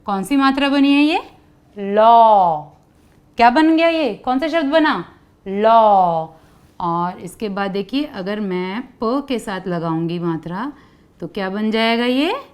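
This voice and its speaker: A woman with a slightly high, animated voice gives children a Hindi lesson on letter sounds. She asks lots of questions and calls out each sound slowly and drawn out so the kids can repeat it.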